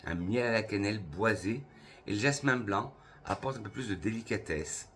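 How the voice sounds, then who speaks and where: A man from France reviewing perfumes for his channel in a casual, enthusiastic way, slowly listing notes with pauses. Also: fairly low pitch, a bit bright, a little hiss or hum. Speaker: perfume youtuber.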